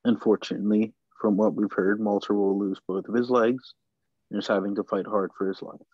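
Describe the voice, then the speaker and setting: A man reading the part of a small-town reverend addressing his church, measured and solemn. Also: lowish voice, little pitch movement, dry recording, highs cut off, close to an everyday voice. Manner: measured, preaching. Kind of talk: script table read.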